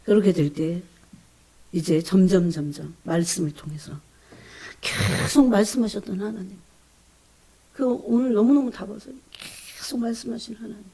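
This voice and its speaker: A woman preaching a fervent, emotional sermon, often calling out to her congregation and dropping into hushed whispers between bursts of emphasis. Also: medium pitch, normal speed, gravelly, breathy edge.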